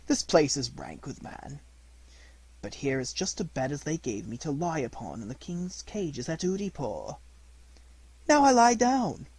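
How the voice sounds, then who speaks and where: A man voicing a proud, menacing black panther in a storybook, speaking in a measured, quietly imperious way. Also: a little high, sing-song, husky, heavily acted, poor audio.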